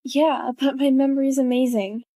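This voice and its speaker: A woman's voice: high-pitched, steady tone, moderate pace, warm tone, no echo, clean studio sound. A woman playing a friendly, insistent sixteen-year-old little sister in an audio drama. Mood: confident. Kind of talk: hobby audio drama acting.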